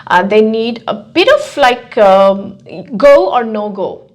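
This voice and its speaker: A woman's voice: a little high, expressive, slow pace. A woman working as a language test coach, talking casually in a question-and-answer discussion.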